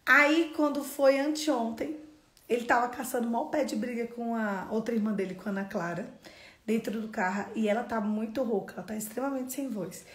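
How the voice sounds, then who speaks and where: A woman's voice: a little high, normal speed, echoey room. A woman preaching a sermon with storytelling, asking her listeners questions and repeating key phrases. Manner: asks the audience many questions.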